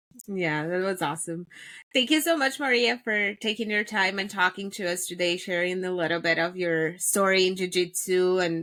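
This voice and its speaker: A woman speaks in a Portuguese accent at a fairly quick pace. Her voice is medium in pitch with ordinary pitch variation and a bright, sharp tone. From Brazil. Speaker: podcast host. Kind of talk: podcast interview.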